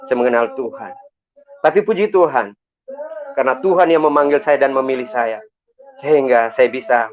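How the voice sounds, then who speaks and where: A middle-aged man from Makassar giving an earnest, preacherly church testimony, often calling out to his listeners. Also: medium pitch. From Makassar, Indonesia. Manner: earnest, preacherly, repeatedly addresses listeners as brothers. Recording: tinny phone-like sound.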